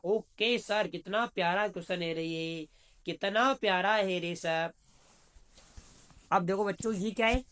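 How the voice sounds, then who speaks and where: A man's voice: sits high, a bit bright. A man teaching reasoning for an exam in a chatty way, asking questions and answering them himself. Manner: chatty, calls students "bhaiya", asks and answers his own questions. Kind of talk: exam-prep video lesson.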